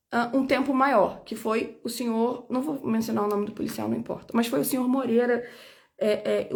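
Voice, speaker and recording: A high-pitched woman speaks to the camera in a personal video statement. She sounds indignant and insistent, stressing and repeating her points as she lays out her side. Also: creaky. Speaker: lawyer recounting her own detention.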